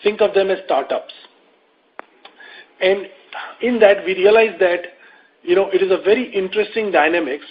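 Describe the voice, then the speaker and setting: A man speaking as a company executive, explaining things to investors on a conference call in a measured, methodical way. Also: high-pitched. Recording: muffled lo-fi conference call audio.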